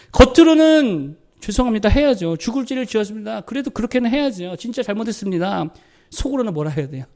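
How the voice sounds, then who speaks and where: Middle-aged male pastor, high-pitched, preaching with insistent repetition and rhetorical questions. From South Korea. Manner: emphatic preaching, repeats phrases and asks the congregation questions. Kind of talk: sermon. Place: church sanctuary.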